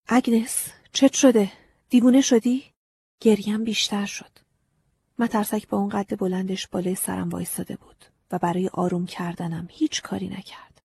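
A woman narrating an audiobook in the first person, in a breathy, often half-whispered and intimate way. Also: mid-range voice, darkish tone.

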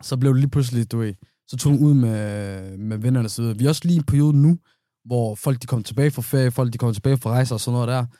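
A man's voice: mid-range voice, mellow, no echo, studio quality. A young man co-hosting a casual chat in a playful, teasing way.

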